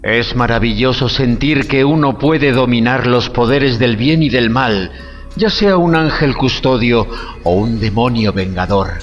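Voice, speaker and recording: An actor playing a pompous, eccentric student with fanatical, scornful grandeur in an audio horror drama. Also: male voice, mid-range voice, measured pace, dull audio, lightly acted. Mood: grandiose. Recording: long cavernous reverb, faint music.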